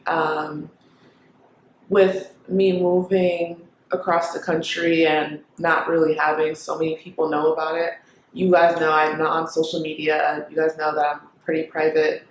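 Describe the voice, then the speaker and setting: A young woman from Kenya who grew up in the United States, talking casually to camera, thinking aloud with pauses and fillers. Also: low voice, level tone, roomy sound, a little hiss or hum, low-quality recording. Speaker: vlogger.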